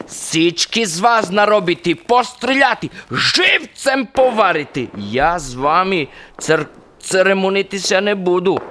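An actor voicing a furious army captain who bellows drawn-out insults at his troops in a radio drama. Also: sits high, bright, forceful tone, a little hiss or hum, voice pushed up, heavily acted.

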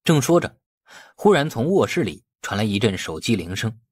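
A man's voice: fairly low pitch, big pitch swings, normal speed, slightly rough, no room sound, clean studio sound. A man narrating a novel as a scripted audiobook.

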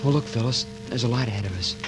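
A tense young man urges his companion on in hushed tones, as an actor plays him. Music plays loud beneath the old radio recording. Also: medium pitch, fast, close to an everyday voice. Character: protective young man Jimmy. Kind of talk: 1940s radio drama acting.

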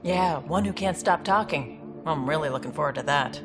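A woman's voice: sits low, normal speed, music in the background, close to an everyday voice. A woman voicing a protective, weary alien mercenary sister in a video game, dry, guarded and exasperated. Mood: worried, dry. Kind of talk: dramatic video game acting.

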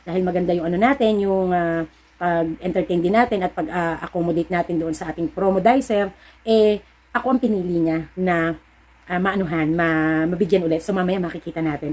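A woman's voice: fairly low pitch, brisk, darkish tone. A middle-aged woman, talking casually to her viewers as a store owner, telling stories and giving encouraging pep talks. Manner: chatty, storytelling with acted-out dialogue; encouraging, preachy pep talk. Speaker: vlogger and sari-sari store owner.

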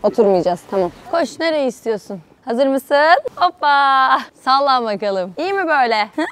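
A woman's voice: high voice, lively intonation, normal speed, a bit bright. A young woman vlogging outdoors at a playground, coaxing and playing with a toddler in a playful sing-song voice. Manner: playful, coaxing, sing-song baby talk with frequent laughter. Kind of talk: casual vlog, talking to a toddler.

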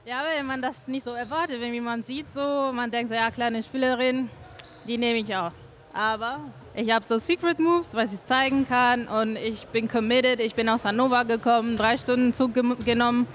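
Soft-spoken Italian-accented young woman. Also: on the high side, fairly even intonation, slight background noise. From Sardinia, Italy. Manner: soft-spoken, halting, often says "genau". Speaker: basketball player, interview guest. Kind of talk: casual interview answers. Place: indoor studio in front of a sponsor wall. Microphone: handheld mic held out by the interviewer.

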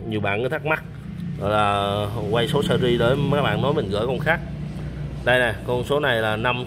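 A man's voice: medium pitch, fairly bright tone, slight background noise. A man casually showing and explaining used machines to camera at night, talking with lots of fillers and direct address, filmed on a phone. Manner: chatty, repeats "các bạn", many fillers. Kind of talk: casual product demo to camera. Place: at night in a storage area full of machines. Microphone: phone camera held while filming.

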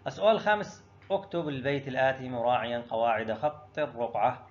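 A man's voice: medium pitch, fast talker, highs cut off, a little hiss or hum. A male teacher going through an exam review lesson, explaining each answer step by step and asking himself questions before answering them. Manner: addresses students directly.

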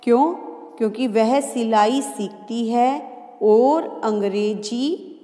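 A woman teacher giving a grammar lesson to children. She reads example sentences slowly and answers her own questions. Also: fairly high pitch, mellow, faint music behind. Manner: slow, deliberate dictation of example sentences. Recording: echoey room with long reverb.

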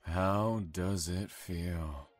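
A man's voice: low voice, drawn-out words, faint music behind, full character voice. An actor playing a sadistic male serial killer who taunts his victims and flies into rages. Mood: cold taunting. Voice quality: menacing, taunting, explosive in rage. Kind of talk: audio drama acting.

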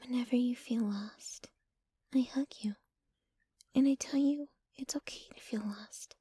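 A woman's voice: fairly high pitch, measured pace, warm tone, dry recording. A woman playing a jealous, possessive, dominant yet clingy young girlfriend in an intimate, whispery ASMR roleplay, close to the microphone. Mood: soothing, devoted. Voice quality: breathy, whispery. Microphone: close microphone, dry.

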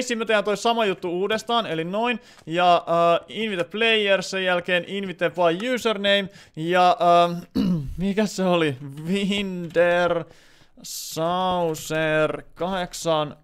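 A man's voice: high voice, fairly bright tone, clean tone. A man live-streaming a video game, chatting casually with his viewers and rambling with many filler words.

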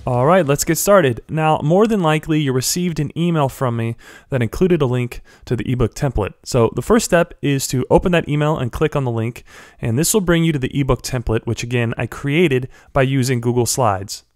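A young man with a stuffy head cold, giving friendly step-by-step instructions in a software tutorial voice-over. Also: medium pitch, normal speed, dry recording, studio quality. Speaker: blogger teaching a software tutorial. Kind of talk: screen-recorded tutorial voice-over.

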